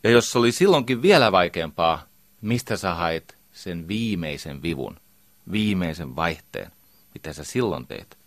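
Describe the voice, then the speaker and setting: A man's voice: sits low, very animated, no room sound. A middle-aged man giving a lecture as a communication trainer, emphatic and full of rhetorical questions.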